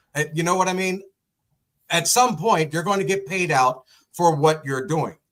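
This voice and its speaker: Loud and high in pitch, a man talks at a moderate pace with ordinary pitch variation. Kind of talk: casual chat.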